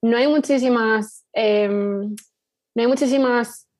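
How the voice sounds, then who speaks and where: A woman's voice: fairly high pitch, slow pace, darkish tone, no room sound. A woman talking casually as an interview guest, explaining things and rephrasing as she goes. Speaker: fiction podcast writer, interview guest.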